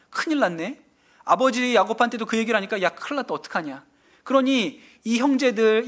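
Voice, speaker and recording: A man's voice: high-pitched, fairly bright tone. A middle-aged man preaching a Sunday sermon as pastor in a church, telling the story and putting questions to the congregation. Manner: storytelling preacher, asking the congregation questions and acting out quoted lines. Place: church sanctuary.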